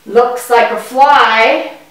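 A woman voicing an excitable, fearful young boy in a children's puppet show, with exaggerated delivery aimed straight at kids. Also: fairly high pitch, extremely slow. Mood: amazed, explaining. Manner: exaggerated, addressing children directly. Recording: echoey hall, far from the mic.

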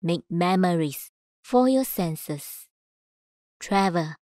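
A woman reading scripted voice-over in a measured, clearly enunciated way. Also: lowish voice, lively intonation, mellow, dry recording, clean studio sound. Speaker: voice actor. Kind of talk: voice-over demo reading of commercials, narration and announcements.

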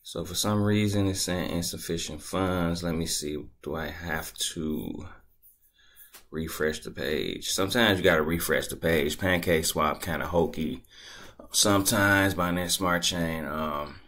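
A man with a very deep, low voice walks through a screen-recorded tutorial at an easy, unhurried pace. He sounds laid-back and conversational, thinking aloud as he clicks through each step at his desk. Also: a bit bright. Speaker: crypto tutorial creator.

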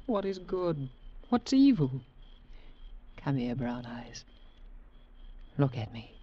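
A woman's voice: a bass voice, very animated, slow, mellow, breathy edge, exaggerated voice. An actress playing a seductive, coldly power-mad woman with an imperious, theatrical manner in a 1940s radio drama. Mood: seductive, gloating. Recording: muffled 1940s radio recording.

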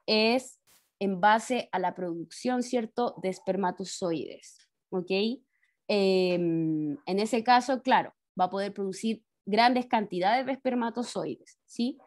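A woman's voice: mid-range voice, slow, darkish tone. A woman teaching science in an online class with a Chilean accent, explaining step by step and checking in with tag questions after each point. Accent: Chilean Spanish. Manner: speaks to the pupils as kids. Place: home, on a video call. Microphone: laptop mic on a video call.

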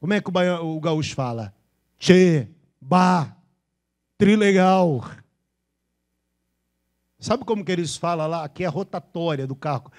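Man, pastor, São Paulo interior accent, playful sermon, fairly high voice. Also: fast talker, hardly any pauses. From Brazil. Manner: playful, imitating regional accents for the congregation. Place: church with a congregation.

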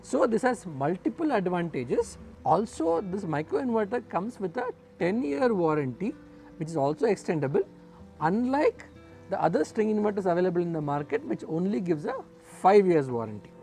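A man's voice: high-pitched, very animated, moderate pace, vocal fry, a little mellow, faint music behind. A middle-aged man, a solar engineer, explaining equipment to camera in an earnest way, often repeating words for emphasis, recorded outdoors on a rooftop garden with a lapel mic.

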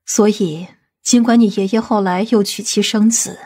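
A woman playing a composed, authoritative middle-aged aunt in audiobook drama dialogue, speaking in a measured way. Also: mid-range voice, fairly even intonation, warm tone, breathy edge, lightly acted. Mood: gentle, reflective.

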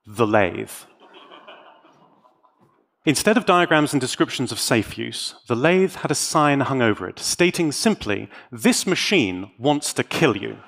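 A British man delivering a scripted tech talk as a conference speaker, theatrical and wry, with dramatic pauses. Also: mid-range voice, very animated, vocal fry, a bit bright. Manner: wry, tongue-in-cheek.

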